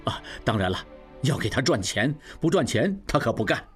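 A man's voice: medium pitch, expressive, brisk, soft background music, natural voice. A man voicing an easygoing, joking male merchant in an audiobook.

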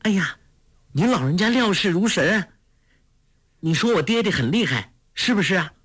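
A man's voice: expressive, fairly bright tone, breathy edge, no echo, studio quality, exaggerated voice. A man voicing a clever, playful teenage girl in a storybook reading, in a raised, coaxing voice. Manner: high, quick, coaxing.

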